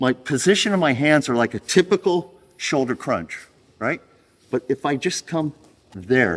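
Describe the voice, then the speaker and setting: A fairly high-pitched man with vocal fry speaks at a moderate pace, his pitch swinging very widely. The sound is dry and close with no echo, and his pauses are long and frequent. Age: 60s. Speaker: jiu-jitsu instructor. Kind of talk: seminar instruction.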